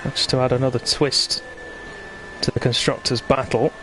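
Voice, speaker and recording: A man's voice: mid-range voice, flat delivery, normal speed, noisy background. A man hosting live esports racing commentary in a chatty, conversational way, bantering with his co-commentator. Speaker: sim racing commentator and host.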